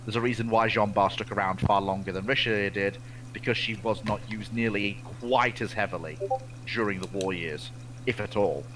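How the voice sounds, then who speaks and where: A man in a casual history discussion, giving opinions in a halting way and repeating phrases as he reasons. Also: fairly low pitch, a bit bright, a little hiss or hum, low-quality recording. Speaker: co-host or guest on naval history chat.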